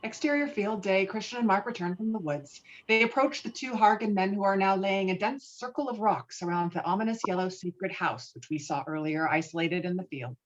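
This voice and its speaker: A woman's voice: medium pitch, a little fast, few pauses. Woman narrating a screenplay, dull audio. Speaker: stage directions narrator. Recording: dull, muffled remote-call audio.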